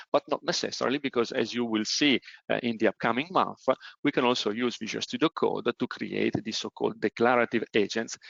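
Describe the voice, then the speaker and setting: An Italian-accented man leads a technical webinar, talking through each step and filling pauses with "uh". His voice has a gravelly edge at a middling pitch. The audio is dry and a little dull, like a call mic. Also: fairly bright tone, no echo. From Italy. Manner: frequent "uh" hesitations while explaining. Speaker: presenter.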